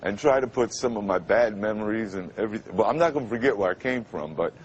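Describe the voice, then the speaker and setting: Emotional fifty-something man, low voice. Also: lo-fi sound, slight background noise. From Brooklyn, New York. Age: 50s. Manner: halting and emotional, many restarts. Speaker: guest. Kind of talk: live TV interview.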